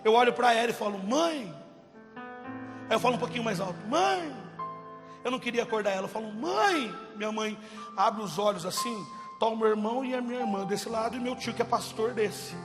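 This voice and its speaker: Impassioned high-voiced male preacher. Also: fairly even intonation, quick pace, big-room sound, music in the background. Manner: impassioned, swings from loud cries to hushed. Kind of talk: testimony sermon.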